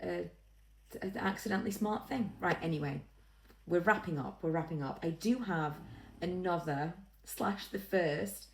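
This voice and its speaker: A woman's voice: fairly low pitch, measured pace, creaky, poor audio. A woman vlogging casually, rambling in a self-deprecating way and repeating phrases for emphasis. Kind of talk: casual chatty vlog to camera.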